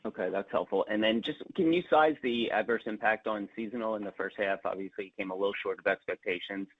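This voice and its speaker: A man's voice: lowish voice, fast. A man, a financial analyst, putting tentative, hedged questions to executives on a conference call. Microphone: phone. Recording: tinny narrow-band phone line.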